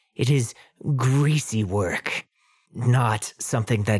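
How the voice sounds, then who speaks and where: A man uses a put-on character voice at a medium pitch. The recording is very clean, with a silent background. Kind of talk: formal speech without contractions. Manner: formal, stilted, eager.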